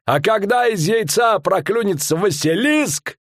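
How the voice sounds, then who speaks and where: A boastful, bellowing fairground barker with rustic old-fashioned speech, drawing out his words to draw a crowd. His voice sits very high and swings wildly up and down. The sound is dry and close. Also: lively intonation, a bit bright, dry recording, exaggerated voice. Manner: bellowing, drawn-out showman's patter. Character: loud middle-aged male fairground barker, boastful.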